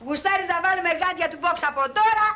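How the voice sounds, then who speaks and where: A woman's voice: extremely high pitch, sharp tone, slight background noise. A scrappy, teasing tough woman. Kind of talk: 1980s film comedy acting.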